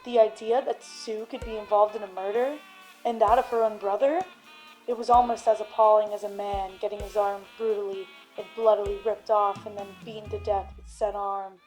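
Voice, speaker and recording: A woman's voice: mid-range voice, level tone, moderate pace, darkish tone, soft background music, natural voice, rough recording. Woman playing a brooding noir private detective. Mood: brooding narration. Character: world-weary, melodramatic hard-boiled private detective named Robert. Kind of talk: noir radio drama narration.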